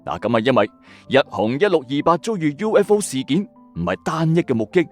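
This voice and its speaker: Animated Hong Kong Cantonese man telling mysteries. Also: a little high, a little fast, faint music behind. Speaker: storyteller host of a mystery radio channel. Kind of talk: dramatic scripted mystery narration.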